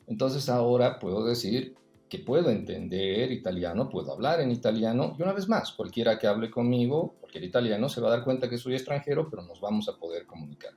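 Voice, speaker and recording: A man's voice: medium pitch, lively intonation, a little fast, darkish tone, reverberant, faint music behind. A man, a podcast guest, talking reflectively in a casual interview, telling personal stories and often adding "eh" and a tag question. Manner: reflective, storytelling, frequent "eh" and tag "¿no?".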